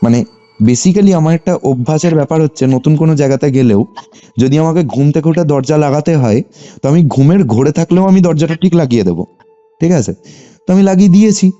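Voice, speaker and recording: Over background music, a young man speaks on a muffled, lo-fi call. His voice is very mellow yet sits a little high for a man. He has a West Bengal Bengali accent and tells his story conversationally, checking often that the listener is following. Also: a little fast. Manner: animated telling, often seeking confirmation with short tags. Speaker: caller telling a personal ghost story.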